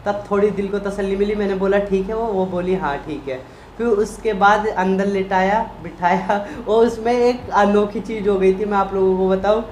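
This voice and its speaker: A man in a casual vlog chat, retelling a hospital story in an animated, emotional way and acting out what people said. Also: high voice, moderate pace, reverberant, slight background noise. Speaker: vlogger, husband.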